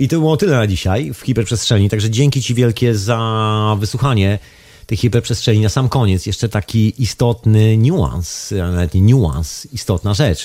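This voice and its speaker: The man has a dark, mellow tone and speaks at a moderate pace. There are hardly any pauses, and his loudness is very even. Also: fairly low pitch for a man, ordinary pitch variation. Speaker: radio host. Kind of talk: casual chat. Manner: animated.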